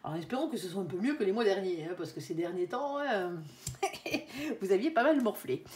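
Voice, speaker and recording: A woman reads tarot cards for her viewers in an easy, chatty way. She speaks straight to them and keeps tagging her sentences with little fillers. Her voice sits at an ordinary pitch for a woman, neither high nor low. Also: animated, fast talker, darkish tone. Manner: chatty, sprinkles talk with "hein" and "alors"; addresses viewers directly, calls on her angel between draws. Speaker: tarot card reader. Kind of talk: casual tarot reading to camera.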